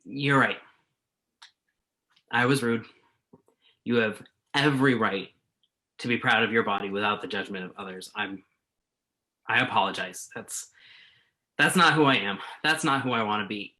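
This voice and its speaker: A man acting in a play reading as a blunt yet apologetic magazine journalist, speaking a little haltingly. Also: on the low side, pushed and bright, poor audio. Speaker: actor in a virtual staged reading.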